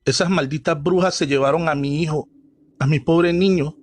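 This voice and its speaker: A man's voice: a little high, steady tone, normal speed, pitched above the performer's own voice, lightly acted. A man voicing a grieving father who cries out in anguish over his lost son. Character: grieving father, desperate and broken.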